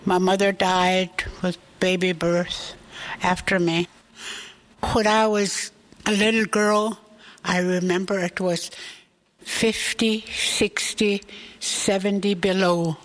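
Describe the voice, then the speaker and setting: Woman in her eighties, oral history interviewee; slow, halting, reflective delivery. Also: medium pitch. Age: 80s. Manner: slow, halting reminiscing with pauses. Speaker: interviewee sharing her life story.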